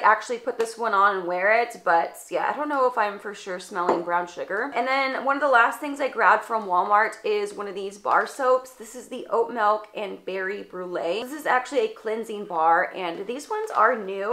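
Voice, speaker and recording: A woman's voice: a little high, a bit bright. A woman in her twenties, stuffed up and slightly congested, chatting casually through a product haul with lots of "like" fillers, filmed close in a small room. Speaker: beauty vlogger. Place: small indoor room with shelves.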